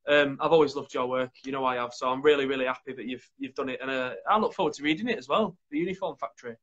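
Fast-talking enthusiastic male host. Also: mid-range voice, a bit bright, muffled recording. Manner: quick, enthusiastic and chatty. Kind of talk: casual chat. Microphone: video call.

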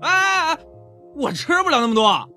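A man's voice: very high voice, very animated, brisk, sharp tone, faint music behind, heavily acted. A man playing a bewildered, chatty police colleague in an audiobook drama.

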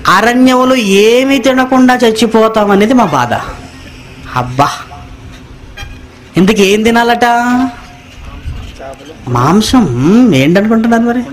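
A man's voice: sits high, expressive, measured pace, pauses often. A man preaching a sermon, asking the congregation rhetorical questions and repeating phrases for emphasis. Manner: reads scripture line by line, echoing the congregation.

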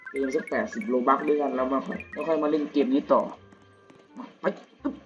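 A young man, still a student, giving casual gameplay commentary at home at night, slangy and crude with excitable outbursts. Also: mid-range voice, racing. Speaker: gamer. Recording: dull lo-fi audio with game music.

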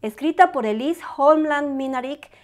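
A woman reading a storybook aloud to young children in a bright, sing-song, welcoming manner. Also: high voice, unhurried.

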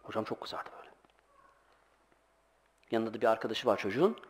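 A middle-aged man giving an informal sermon as a religious teacher, telling lively anecdotes, acting out voices and laughing often. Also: on the low side, a little fast.

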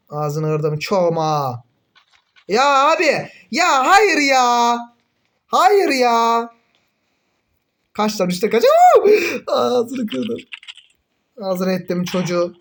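A young man commentating his own mobile game in casual chat, excitable, groaning and cursing when things go wrong. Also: sits high.

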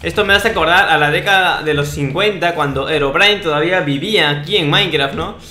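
A man's voice: fairly high pitch, a little fast, pushed and bright. A young man with a Peruvian Spanish accent giving casual, cocky, mock-boastful commentary on a video game. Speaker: gaming video host. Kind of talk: casual Minecraft gameplay commentary. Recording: roomy sound with faint background noise.

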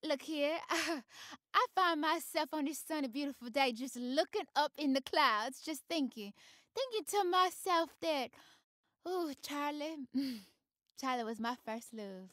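A woman playing a dreamy Southern belle, musing in a drawn-out character monologue. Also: high voice, expressive, fairly bright tone, dry recording, clean studio sound.

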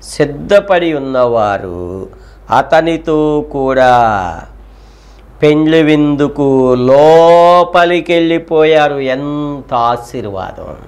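Male pastor, sermon delivery, measured pace, emphatic, rhetorical questions. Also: a little high, expressive, darkish tone.

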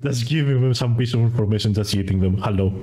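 A man's voice: medium pitch, fast, dark tone. A man hosting a streamed quiz show in English, which is not his first language, playful and teasing, laughing often. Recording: music playing behind.

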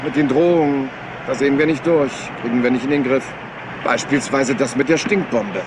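An actor playing a rumpled, apologetic yet stubbornly probing police inspector in a German crime drama, hesitant and folksy. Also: male voice, mid-range voice, normal speed, background noise, lightly acted. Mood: insistent, puzzled. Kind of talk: German crime drama dub, conversational acting.

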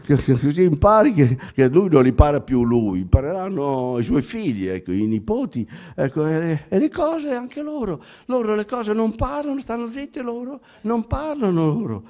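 A man with a Romagna accent reading a theatrical monologue aloud, halting and stammering, full of repetitions and fillers. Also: high-pitched, sing-song. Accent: Romagna Italian. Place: public library reading event. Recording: dull lo-fi recording.

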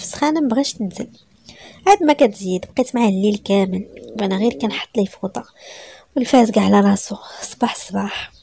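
A woman storyteller with a Moroccan Arabic accent tells a first-person story at a rapid clip. Her voice is gravelly and dark with a slightly high pitch, and the sound is dry and close. She tells it in an emotional, breathless way.

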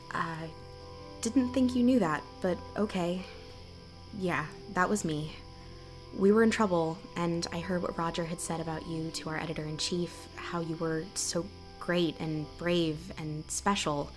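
Audio drama supporting role, female actor: frank small-town woman, slightly low, apologetic, light music underneath. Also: measured pace, natural voice. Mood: confessing. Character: candid, apologetic local woman with secrets.

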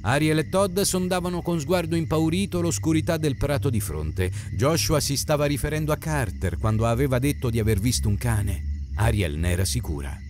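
A man reading an Italian novel aloud as narrator, in an expressive, dramatic style. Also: mid-range voice, moderate pace, slight background noise. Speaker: audiobook narrator. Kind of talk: scripted narration.

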